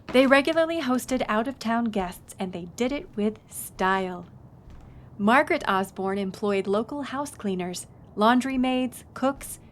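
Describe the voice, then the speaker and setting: A woman's voice: a little high, slight background noise, lightly acted. A woman playing a friendly, knowledgeable historic house tour guide in an audio roleplay, speaking in an informative, conversational way. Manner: conversational, informative, engages the listener with questions.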